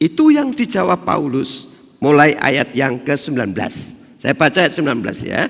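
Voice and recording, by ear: A man puts on a character voice that is hoarse, raspy and husky, pitched fairly high and delivered at a moderate pace.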